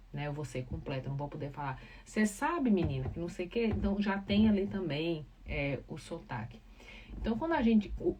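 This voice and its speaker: Woman, Cearense accent, low voice, crisp trained diction, slightly distant mic. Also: a little mellow, slight background noise. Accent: Cearense Brazilian Portuguese. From Ceará, Brazil. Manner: carefully articulated, trained diction, explaining patiently. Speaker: journalist, podcast guest speaker. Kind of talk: explanatory podcast talk.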